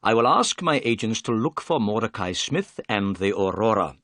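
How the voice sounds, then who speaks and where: Here a storyteller plays a composed, sharp-witted male detective, speaking briskly and courteously with a lively pitch that climbs and dips. It's a close-miked, dry recording with no room sound.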